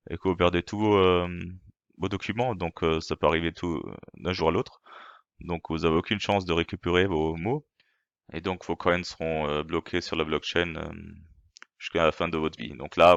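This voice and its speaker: A man's voice: low voice, a bit bright, clean tone, no echo, dull audio. A man who is not a native speaker, explaining in a casual, hesitant way with many fillers and restarts. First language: not French. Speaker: crypto channel host. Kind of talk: casual explainer translating a video.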